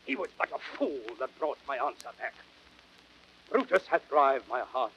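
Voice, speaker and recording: A man's voice: medium pitch, big pitch swings, moderate pace, a bit bright, slightly rough, full character voice. An actor playing a passionate, wounded, hot-tempered Roman nobleman, declaiming verse in a classical Shakespearean audio drama. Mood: hurt, angry. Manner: impassioned, declamatory theatrical verse delivery. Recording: dull, noisy vintage drama record.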